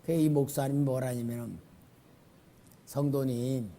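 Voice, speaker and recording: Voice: mid-range voice, expressive, moderate pace, gravelly, darkish tone, husky. A pastor preaching a Friday prayer meeting sermon in a church, telling stories and building up to emphatic declarations.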